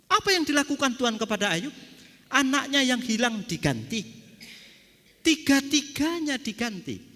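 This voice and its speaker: A man preaching a sermon in a church, telling the story with animated rhetorical questions, heard with a long church reverb. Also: very high voice, normal speed.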